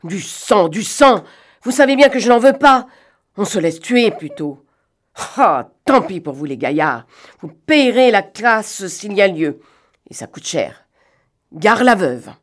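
A woman voicing a commanding gentleman burglar, fiery and exasperated, scolding in sharp outbursts. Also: lowish voice, measured pace. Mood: angry.

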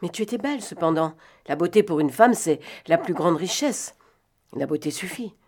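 A woman reading aloud as an insistent young gentleman pressing questions on his lover. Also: lowish voice, lively intonation, moderate pace. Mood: probing. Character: probing stern young gentleman. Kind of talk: audiobook reading.

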